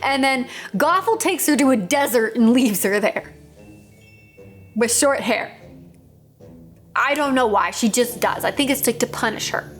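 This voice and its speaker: A woman's voice: a little high, lively intonation, a little slow, long pauses, soft background music. A woman hosting a storytelling video, chatting casually and animatedly as she retells a fairytale and acts out bits of dialogue.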